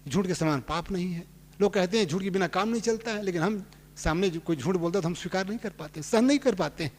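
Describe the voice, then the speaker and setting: A man's voice: sits high, fast, a little mellow. A man, a spiritual teacher, giving a plain, conversational sermon with homely examples. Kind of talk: sermon with sung verses. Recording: long hall reverb.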